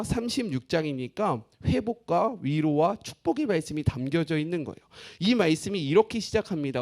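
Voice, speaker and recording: A man's voice: a little high, darkish tone. A man preaching a sermon as pastor, who jokes with the congregation and asks them questions.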